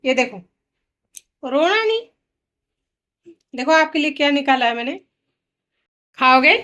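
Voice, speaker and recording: A woman with a high voice talks casually through a home vlog, peppering her lines with little tag questions. She turns gentle and coaxing when speaking to a child. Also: animated, measured pace. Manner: chatty, frequent tag questions. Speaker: vlogger and mother. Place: home kitchen and rooms.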